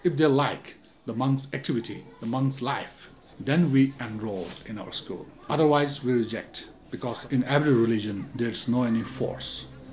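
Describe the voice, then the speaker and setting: A man's voice: medium pitch, normal speed, a little mellow, slight background noise. A man, a monastery school administrator, earnestly explaining in a documentary interview with grammar. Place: office indoors.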